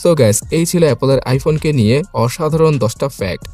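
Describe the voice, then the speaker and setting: A man's voice: medium pitch, animated, fairly quick, mellow, no room sound. A man presenting a scripted tech explainer, speaking to viewers in an explanatory way and mixing in English terms. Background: background music.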